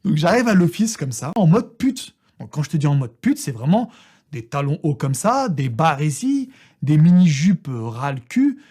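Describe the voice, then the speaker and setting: A man's voice: fairly high pitch, moderate pace, breathy edge. A young man from France telling a crude, slangy comic story about a trip, full of swearing and laughing asides. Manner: slangy, vulgar, animated, often laughing. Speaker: vlogger.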